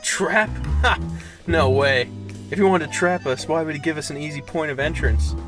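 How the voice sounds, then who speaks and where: A man's voice: a little high, normal speed, close to an everyday voice. A young man playing a cocky, dense noir detective in an amateur radio play. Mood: cocky, oblivious. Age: teens or young adult. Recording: amateur recording with music underneath.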